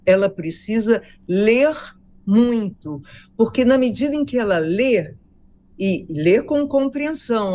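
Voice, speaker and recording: A woman's voice: mid-range voice, darkish tone. A Brazilian woman researcher answering interview questions about teaching, emphatic and repeating her key points. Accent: Brazilian Portuguese.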